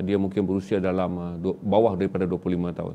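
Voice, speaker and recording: A man's very deep, low voice with a dark, mellow tone and a Malaysian accent, fairly quick and monotone in flat intonation, over light background noise. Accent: Malaysian Malay. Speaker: streamer and storyteller; streamer, storyteller. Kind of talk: personal storytelling monologue. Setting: studio. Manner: hesitant with frequent fillers. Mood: calm, reflective. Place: studio. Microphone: lapel.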